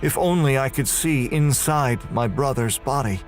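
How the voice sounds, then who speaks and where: An actor playing a tormented, damned murderer, delivering a brooding first-person horror audio drama monologue. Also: male voice, mid-range voice, normal speed, lightly acted. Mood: cold, brooding. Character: damned male murderer prisoner, tormented, confessing in hell. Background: music.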